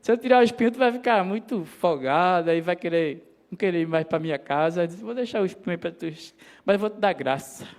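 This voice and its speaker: A preacher with a high voice delivers a sermon in a church. He calls the congregation his brothers and drops his voice lower when quoting God. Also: expressive, fast talker.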